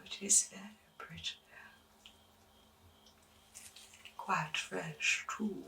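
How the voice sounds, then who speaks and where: A woman playing an eccentric, doting and gently menacing doctor in a breathy, whispered ASMR medical roleplay, with soothing, genteel endearments. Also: fairly low pitch, distant mic, exaggerated voice, low-quality recording. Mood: soothing, intrigued.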